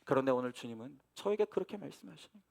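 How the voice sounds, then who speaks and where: A middle-aged man preaching a sermon as pastor, earnest, swinging between loud emphasis and hushed, near-whispered passages. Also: mid-range voice, expressive, racing, creaky.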